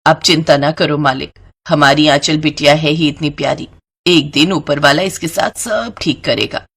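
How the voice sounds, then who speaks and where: Woman playing a sly, husky greedy maidservant. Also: sits low, normal speed, a bit bright, pitched below the performer's own voice, full character voice. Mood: dutiful, sweet. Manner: sugary coaxing talk, calculating asides. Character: greedy scheming middle-aged maidservant, falsely sweet mother.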